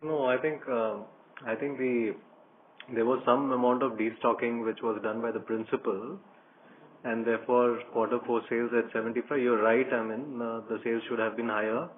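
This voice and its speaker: A male executive talks over a narrow, faintly noisy phone line. His delivery is flat, with little melody, as he gives careful explanations to analysts. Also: medium pitch, moderate pace. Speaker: company executive. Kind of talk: answering analyst questions on an earnings conference call.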